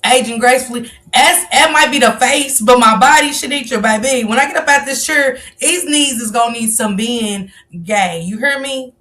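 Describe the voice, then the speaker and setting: A woman's voice: a little high, normal speed, few pauses, sharp tone. Candid woman in her forties, livestreaming. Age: 40s. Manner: candid, confessional, talks straight to viewers and calls them baby. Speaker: livestream host. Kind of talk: casual livestream chat reading viewer comments. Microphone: livestream mic.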